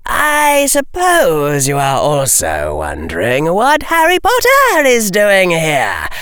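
A man voicing a cold, menacing male dark lord who speaks slowly and drops to chilling whispers. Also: sits high, huge pitch swings, smooth, no room sound, clean studio sound, voice pushed up, heavily acted. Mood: cold menace. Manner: slow, icy, drops to hissing whispers. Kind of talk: audiobook character voice.

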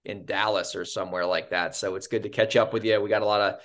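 A man's voice: lowish voice, fairly even intonation, fast talker, fairly bright tone. A man hosting a podcast, chatting casually and upbeat with frequent fillers. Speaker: podcast host. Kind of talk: casual interview chat.

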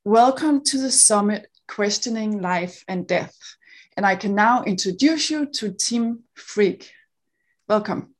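A Danish woman hosts an online summit interview over a video call. Her Danish accent is clear, and she talks in a loose, chatty way. She laughs easily and often restarts her sentences. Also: medium pitch, slow. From Denmark.

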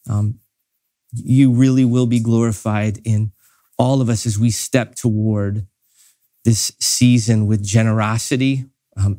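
A man's voice: on the low side, dark tone, no room sound, clean studio sound. A man speaking as a pastor in an informal, conversational way, earnest and grateful as he addresses his church and prays. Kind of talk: informal church giving appeal and prayer.

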